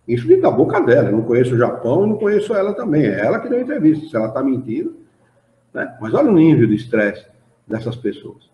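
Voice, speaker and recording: A man's voice: mid-range voice, huge pitch swings, quick pace. A man with a Brazilian Portuguese accent leading an informal study group in an association's hall, chatting animatedly and reading passages aloud. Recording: dull echoey room recording.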